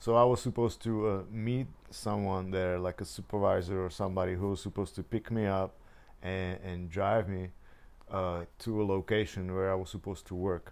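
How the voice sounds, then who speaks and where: A fairly low-pitched man with a Czech accent, fairly even intonation and a moderate pace, on a very clean recording with a silent background. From Czech Republic. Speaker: vlogger. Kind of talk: personal storytelling monologue. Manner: halting, many fillers and repetitions.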